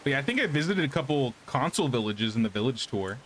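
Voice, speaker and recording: A man's voice: medium pitch, sing-song, fast talker, fairly bright tone, a little hiss or hum, poor audio. A man casually commenting on his gameplay during a live stream, thinking aloud and answering chat questions.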